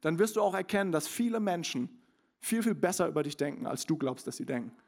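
A young man preaching a sermon, sliding from soft confiding asides into loud emphatic calls, with many fillers and restarts. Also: fairly high pitch, fast, creaky. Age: young adult. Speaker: pastor.

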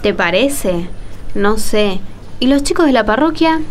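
A woman's voice: a little high, expressive, unhurried, a little hiss or hum. An actress playing a proud, tired female pilgrim in a radio play, teasing and wry, with an Argentine accent. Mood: hesitant. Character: sassy, stubborn young female pilgrim, tired but proud.

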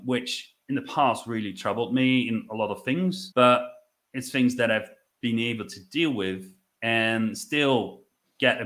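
As a podcast guest, a business owner from the Netherlands in his thirties tells his story in a conversational, reflective manner. His Dutch-accented voice is fairly low and fairly bright, and his phrasing halts with repeated words.

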